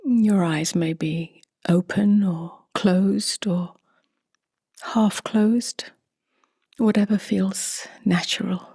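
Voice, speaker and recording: A woman leading a guided meditation in a soft, breathy half-whisper, with calm, gently spaced phrases. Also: medium pitch, very slow, no echo, studio quality. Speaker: meditation teacher.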